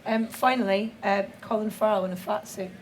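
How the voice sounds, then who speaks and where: A woman's voice: mid-range voice, steady tone, a little fast, a loud crowd, rough recording. A woman interviewing guests on stage in front of a live audience, playful and laughing often as she teases them with questions. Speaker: interviewer at a live film event.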